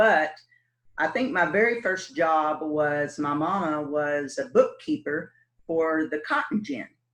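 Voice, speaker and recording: In a Texan accent, a woman speaks very slowly with a very deep, low pitch and ordinary pitch variation. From Texas, Lubbock. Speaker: city council candidate. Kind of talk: interview.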